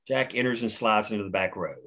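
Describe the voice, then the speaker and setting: Guy reading scene directions, lowish voice, flat matter-of-fact. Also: fast. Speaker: narrator reading stage directions. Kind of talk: script table read.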